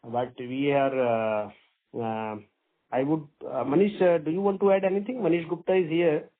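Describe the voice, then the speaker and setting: A man with an Indian accent speaking as a company executive on a business call, in halting, measured phrases. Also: a little high, fairly even intonation. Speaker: company executive answering analysts. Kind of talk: spontaneous business conference call answers. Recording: muffled narrowband phone conference line.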